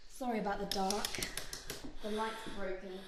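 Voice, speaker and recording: A young woman acting a mysterious, menacing guide in a horror audio play, hushed, commanding and teasing with threats. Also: mid-range voice, little pitch movement, moderate pace, background noise, lightly acted. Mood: coaxing menace. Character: mysterious menacing female guide in a hellish place. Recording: very echoey binaural recording.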